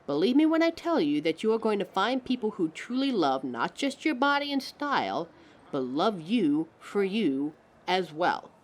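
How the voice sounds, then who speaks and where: A woman's voice: medium pitch, sing-song, normal speed. Woman acting as a theatrical, haughty living fashion mannequin. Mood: encouraging. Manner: theatrical, dramatic, articulate, addresses listener as darling. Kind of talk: scripted audio roleplay, speaking directly to listener.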